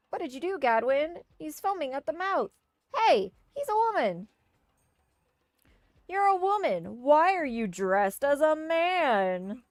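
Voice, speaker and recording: A woman streaming a game and reading its dialogue aloud, slipping playfully into goofy high voices for the characters. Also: no echo, clean studio sound. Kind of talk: casual let's-play with read-aloud character voices.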